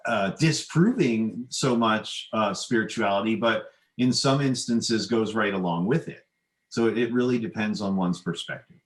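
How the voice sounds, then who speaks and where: A middle-aged man, an author guesting on a podcast, explaining his ideas in a halting, thoughtful, conversational way. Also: lowish voice. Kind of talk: conversational interview answers.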